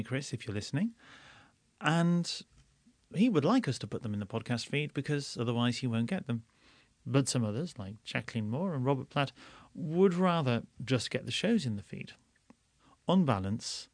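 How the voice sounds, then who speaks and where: A man's voice: medium pitch, no room sound. A man speaking as a podcast host, giving an informal announcement to listeners.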